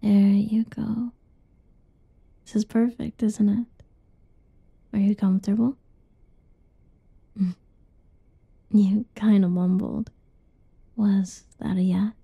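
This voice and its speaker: A young woman doing a whispered ASMR roleplay in a soft, teasing whisper, recorded close and dull. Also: mid-range voice, flat delivery, slow pace, gravelly, pauses often, husky, no room sound.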